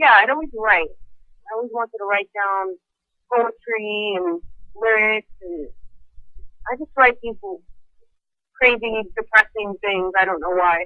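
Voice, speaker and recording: Long, frequent pauses break up a woman's speech, delivered in a New York accent at a fairly high pitch with big swings in loudness. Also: ordinary pitch variation, fairly slow pace. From New York, Brooklyn. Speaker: singer-songwriter. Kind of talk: interview. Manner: animated.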